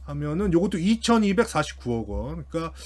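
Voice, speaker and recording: A man's voice: a little high, sing-song, quick pace. A man giving casual explanatory financial commentary as an online host, informally thinking aloud as he works through figures. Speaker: YouTube host commenting on company earnings.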